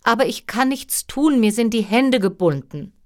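A woman's voice: fairly high pitch, expressive, moderate pace, darkish tone, pitched above the performer's own voice, close to an everyday voice. A woman voicing a dutiful, helpless male valet in a fairy tale, deferential and literal-minded. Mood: apologetic.

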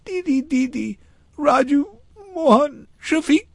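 High child's voice, acted by a man, frightened street boy, sobbing, pleading, broken English, halting phrases, audiobook character. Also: animated, vocal fry, dry recording, full character voice. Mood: frantic, sobbing.

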